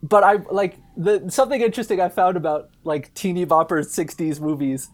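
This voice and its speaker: A man talking casually about films as a podcast guest, rambling and halting in an amused way. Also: high voice. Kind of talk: casual film chat.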